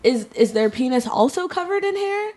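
A woman's voice: high voice, very animated, moderate pace, a little mellow. A woman guesting on a comedy podcast, giggly and blunt in casual banter.

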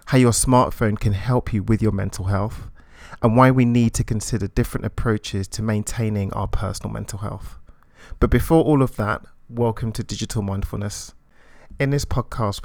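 A man hosting a podcast, reading a scripted introduction and asking interview questions in a measured, polite way. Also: fairly low pitch, darkish tone, no echo, studio quality. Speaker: podcast host.

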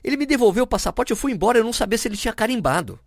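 Brazilian guy telling stories fast, voice bouncing all over, acts out people he quotes. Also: extremely high pitch, big pitch swings, creaky, no echo, studio quality. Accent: Brazilian Portuguese. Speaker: podcast host. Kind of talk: casual storytelling chat.

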